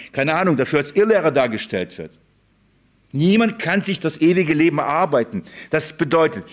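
Emphatic German-speaking male preacher. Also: fairly high pitch. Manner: emphatic, asks the congregation rhetorical questions. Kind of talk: sermon.

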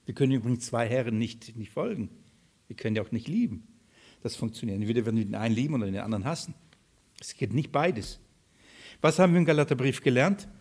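A man preaching a sermon, asking rhetorical questions and swinging between loud calls and soft asides. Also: medium pitch, expressive, quick pace, breathy edge. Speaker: pastor.

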